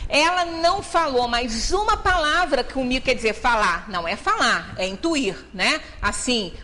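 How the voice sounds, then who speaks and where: A woman's voice: high voice, bright, forceful tone. A woman with a Brazilian Portuguese accent gives a storytelling lecture at a spiritist center. She retells events conversationally, acting out the quoted dialogue and often adding tag questions. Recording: reverberant hall with faint noise.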